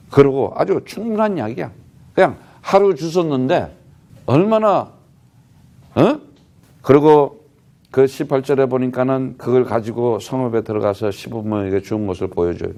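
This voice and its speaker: A man's voice: medium pitch, expressive, normal speed, dark tone. A man preaching a sermon as a missionary, talking plainly to the congregation and often asking rhetorical questions. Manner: emphatic, rhetorical questions, frequent "huh?" tags; conversational, plain speech to the congregation.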